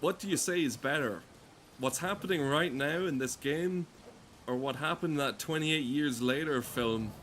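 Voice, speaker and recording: A man's voice: a little high, normal speed, a bit bright, slight background noise. A man streaming a game with casual, rambling commentary, sardonic and given to swearing.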